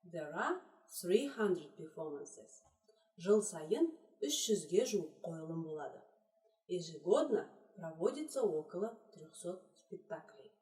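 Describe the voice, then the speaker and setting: A woman teaching a children's English lesson, slowly repeating each word in three languages. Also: lowish voice, darkish tone. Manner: slow, deliberate, repeats words in three languages. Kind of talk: trilingual video lesson for children. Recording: echoey room, voice distant from mic.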